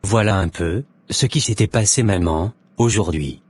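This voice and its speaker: A man's voice: fairly low pitch, moderate pace, a little mellow, breathy edge. A man voicing an earnest, devout Christian convert in a cartoon, speaking in a solemn, exhorting, formal way. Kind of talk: scripted Christian animation dialogue and preaching.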